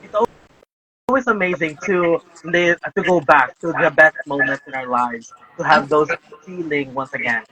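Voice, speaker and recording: A man hosting an online interview, effusive and grateful, with halting, restarting phrasing. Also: fairly high pitch, pushed and bright. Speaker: interview host. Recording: noisy background.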